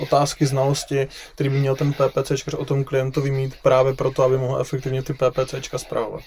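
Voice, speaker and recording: Somewhat breathy, a man talks fairly quickly at a medium pitch. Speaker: podcast host. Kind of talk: casual interview. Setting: remote recording.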